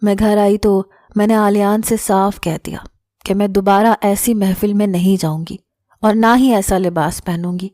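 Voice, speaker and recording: A woman tells an emotional first-person story in an earnest narration. Her voice is mellow and warm at a medium pitch. The recording is dry, with no room sound. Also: fairly even intonation, no echo.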